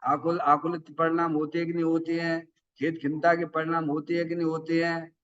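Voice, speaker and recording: A Jain preacher delivers a sermon in a folksy, conversational manner, often asking listeners whether they understood. His voice is a little high, monotone, fairly quick and fairly bright, and the recording sounds dull, as if captured far from the mic.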